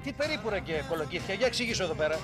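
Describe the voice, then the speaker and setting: A man's voice: sits high, big pitch swings, music in the background. An actor playing a nervous, hot-tempered middle-aged father giving a driving lesson. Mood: agitated. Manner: jumpy, shouting in alarm.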